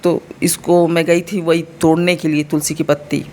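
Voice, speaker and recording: A woman's voice: sits low, flat delivery, normal speed, a little mellow. A woman in her thirties from India with an Uttar Pradesh Hindi accent and a slightly sore throat, chatting to her viewers in a casual home vlog. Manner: chatty, addresses viewers directly, explains as she goes. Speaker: vlogger.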